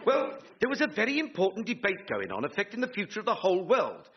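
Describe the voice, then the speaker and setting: A self-important radio sitcom politician with a high, swooping voice. He is grand and boastful, yet chummy and colloquial. The recording is dull with faint noise. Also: huge pitch swings, fast talker. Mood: boastful anecdote. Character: pompous, self-important, chummy new independent MP. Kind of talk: 1950s-style radio sitcom acting.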